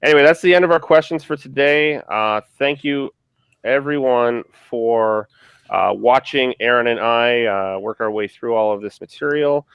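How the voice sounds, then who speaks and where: A man hosting a casual podcast chat about a tabletop game, relaxed and rambling, with many fillers and restarts. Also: medium pitch, moderate pace, clean tone, no echo, dull audio. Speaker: podcast host.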